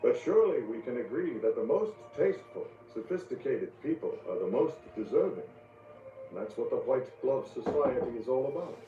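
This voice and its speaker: A man's voice: mid-range voice, big pitch swings, moderate pace, mellow, soft background music, close to an everyday voice. An actor playing a snooty, refined upper-class man in a video game, speaking with a polished, condescending drawl. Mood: smug courtesy. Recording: muffled distant game audio with roomy echo.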